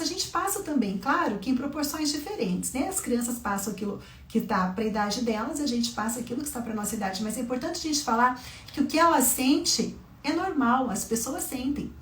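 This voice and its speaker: A woman giving an online class to parents, talking conversationally and checking in with "tá?" and "né?". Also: high-pitched. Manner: conversational, frequent "tá?" and "né?" check-ins. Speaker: parenting educator. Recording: echoey room, voice a bit far from mic.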